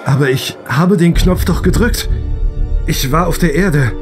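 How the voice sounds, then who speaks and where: A man's voice: on the high side, measured pace, music in the background. A man acting a devoted, troubled grown son in a German audio drama, speaking earnestly and hesitantly.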